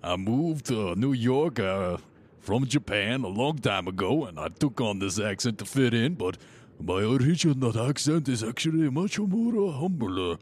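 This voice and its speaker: A man's voice: mid-range voice, lively intonation, moderate pace, slightly rough. A man voicing a sentimental male gelatinous cube monster in a fake, exaggerated accent. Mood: earnest.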